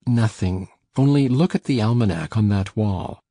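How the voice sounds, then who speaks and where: Woman putting on a sullen teenage farm lad, very deep gruff voice, husky, dark tone, dry sound. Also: normal speed, no room sound. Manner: low, gruff and resentful.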